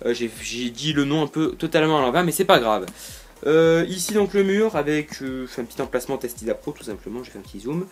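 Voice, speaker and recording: A man's voice: on the high side, lively intonation, quick pace. A young man giving a casual tour of his bedroom, rambling with lots of fillers and restarts and dropping the odd joke, recorded by a camera on a tripod. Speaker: YouTuber. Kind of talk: casual room tour vlog.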